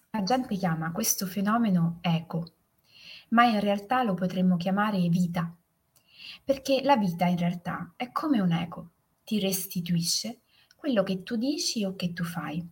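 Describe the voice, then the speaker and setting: A woman doing a gentle, soft-voiced father. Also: fairly low pitch, slightly rough.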